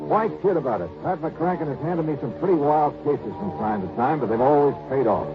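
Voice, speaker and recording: An actor playing a wisecracking, confident insurance investigator in 1950s radio drama style, snappy and wry. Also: male voice, fairly high pitch, lively intonation, a little fast, over music, natural voice. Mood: brisk narrating. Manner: snappy, wry, hard-boiled. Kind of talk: 1950s radio drama acting, hard-boiled narration. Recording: dull, noisy vintage radio recording.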